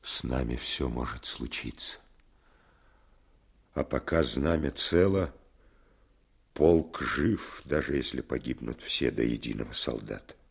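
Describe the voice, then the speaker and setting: A wounded commander in a radio drama, weary yet resolute. His voice is gravelly and badly husky. He speaks slowly and haltingly, tender as a father. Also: very deep voice, full character voice. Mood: solemn, resolute. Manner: halting, labored, tender toward his daughter. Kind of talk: Soviet radio drama acting.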